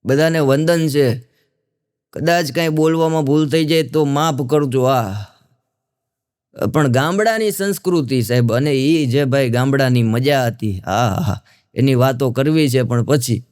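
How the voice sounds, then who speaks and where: A man's voice: mid-range voice, a little slow, darkish tone, clear, resonant tone, no echo, clean studio sound. A man with a Gujarati accent doing stand-up comedy for a live audience, telling jokes in a folksy storytelling manner and voicing the characters. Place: stage before a live audience.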